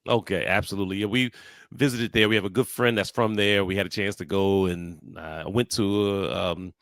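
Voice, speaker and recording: A man with a lowish voice hosting a radio interview. He asks his guest questions in a friendly, easygoing way. The sound is dry and close. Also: fairly even intonation, normal speed, fairly bright tone, no room sound.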